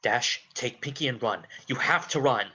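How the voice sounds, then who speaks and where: A man's voice: medium pitch, lively intonation, moderate pace, sharp tone, lo-fi sound. A man voicing an earnest, protective young male dragon in a cartoon audio drama. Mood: urgent.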